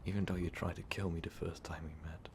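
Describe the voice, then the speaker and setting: With background noise present, a man plays a tormented vampire conqueror in love and full of regret, speaking an intimate ASMR monologue to the listener. His level tone, breathy and gravelly low whisper, and slow, halting, formal phrasing give it a wistful, confessional feel.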